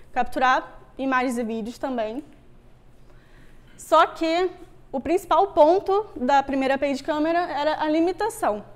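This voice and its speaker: Her voice is high and somewhat dark. A young Android developer with a carioca Brazilian accent from Rio gives a laid-back, conversational talk at a meetup, standing on stage in front of a screen in a room with wooden flooring.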